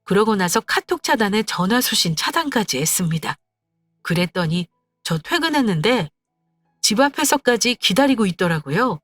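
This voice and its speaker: A woman's voice: medium pitch, very animated, moderate pace, fairly bright tone, dry recording, soft background music. A woman in her thirties narrating a first-person story in a firm, matter-of-fact way.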